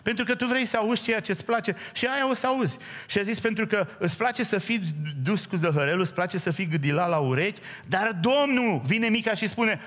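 A man preaching a sermon in a church, telling a Bible story with lively acted-out dialogue and direct questions to the congregation. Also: high voice. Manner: animated storytelling, acting out biblical dialogue in raised voice. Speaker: pastor. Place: church hall. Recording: church hall reverb.

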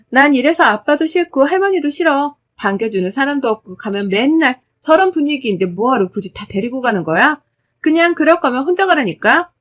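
A woman voicing a bold, outspoken teenage daughter who talks back sharply. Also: high voice.

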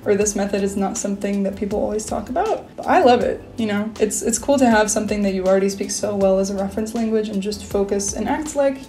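A woman's voice: medium pitch, fast, few pauses. A young woman in her twenties vlogging casually from a bedroom, chatty and full of fillers, gesturing as she talks to the camera. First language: English. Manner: chatty, lots of fillers, animated hand gestures. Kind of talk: casual talking-head vlog. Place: small bedroom, indoors.

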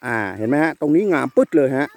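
A middle-aged man talks his way through a chili field for a farm vlog, recorded outdoors. His voice sits a little high for a man, and he chats, tags his phrases with polite particles, and slides into moral lecturing. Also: fast. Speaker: farm video host and chili seed promoter. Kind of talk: casual on-site farm vlog talk.

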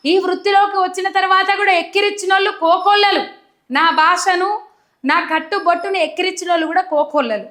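A young woman from Telangana, India, speaks straight to camera with a Telangana Telugu accent, offering earnest and emphatic political commentary. Her voice is very high-pitched and a bit bright.

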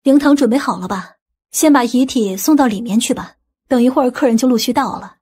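Woman acting a bossy practical family aunt in an audiobook, brisk, slightly husky. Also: on the high side, mellow. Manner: brisk, instructing.

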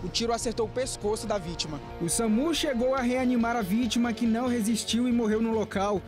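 A man with a Brazilian accent delivering a scripted TV news report in a formal, even tone. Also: very high voice, brisk. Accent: Brazilian Portuguese. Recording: TV news report with music bed.

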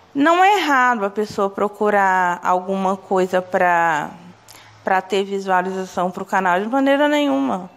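Hoarse young woman with gravelly voice. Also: on the high side. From Brazil. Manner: indignant, gossipy, addresses viewers directly. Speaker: YouTube gossip vlogger. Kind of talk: casual opinion vlog to camera. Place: small indoor room. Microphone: phone or webcam close to face.

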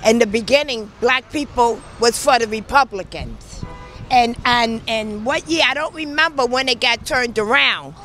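A woman's voice: on the high side, normal speed, fairly bright tone, a little hiss or hum. A woman answering casually as a passerby in an outdoor street interview. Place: outdoors on a busy city sidewalk.

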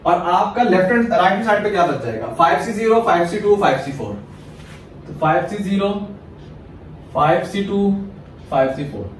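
A very animated, high-pitched male voice belongs to a Pakistani maths teacher who lectures fairly quickly, pausing often as he explains each step. He asks questions and then answers them himself; the sound is distant, heavily echoing and faintly hissy.

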